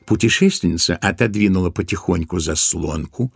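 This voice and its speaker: Low, gravelly male storyteller over music. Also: normal speed, no echo. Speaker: audiobook narrator. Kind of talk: expressive literary storytelling narration. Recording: studio audio drama with music behind.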